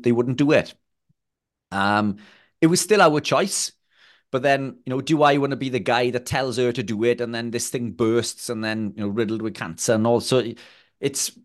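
Halting man speaking as a guest. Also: mid-range voice. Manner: halting, many restarts and fillers. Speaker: podcast guest. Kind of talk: casual interview talk.

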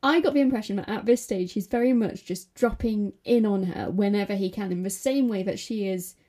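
A woman, a priest co-hosting a podcast, briskly recapping an episode in casual chat. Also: medium pitch, warm tone.

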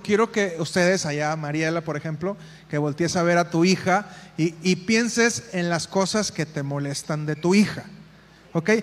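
A man with a Mexican accent leading parents through a live group exercise, giving instructions and calling people by name. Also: sits high. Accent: Mexican Spanish. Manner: directive, calls people by name, repeats instructions. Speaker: workshop facilitator for parents. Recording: reverberant hall sound.

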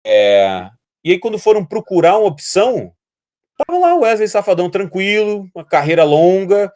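A man's voice: high-pitched, normal speed. A man from Brazil chatting casually, telling long, rambling stories and imitating voices. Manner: rambling animated storytelling, imitating other people's voices. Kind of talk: casual chat.

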